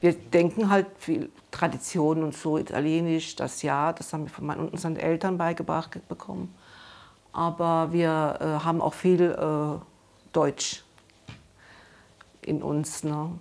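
A woman's voice: deep voice, steady tone, unhurried, gravelly, darkish tone. A middle-aged woman speaking hesitantly in an interview, searching for words. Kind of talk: interview statement.

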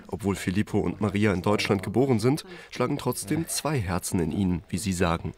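A man reading a calm, scripted news report narration. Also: lowish voice, fairly quick. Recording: voice-over over music.

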